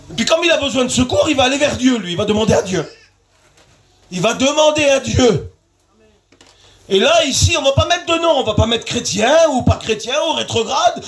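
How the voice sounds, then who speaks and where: A male pastor preaching an evangelistic sermon at an evening revival meeting under a large tent, fervent and repetitive, rising into shouts and sing-song phrases. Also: very high-pitched.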